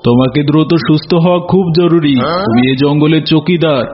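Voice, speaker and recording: A man's voice: a little high, brisk, natural voice. A man voicing an earnest, trusting elephant who leads the forest in a cartoon, speaking in a dignified, plain manner. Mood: kindly concern. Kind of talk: cartoon voice acting. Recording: muffled audio with music bed.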